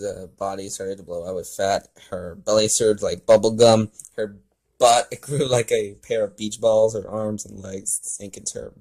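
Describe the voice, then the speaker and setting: Halting man reading and commenting casually. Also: lowish voice, a little mellow. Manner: halting, stumbling over words with repeats. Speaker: amateur fan fiction reader and video host. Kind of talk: casual commentary and read-aloud storytelling.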